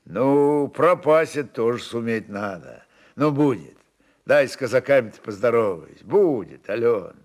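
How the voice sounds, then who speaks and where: A man voicing a Cossack leader in a storybook reading, gruffly affectionate, speaking in short, repeated exclamations. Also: medium pitch, expressive, unhurried, natural voice. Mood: gruff joy. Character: battle-worn Cossack leader greeting his family, gruffly tender. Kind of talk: dramatic literary reading.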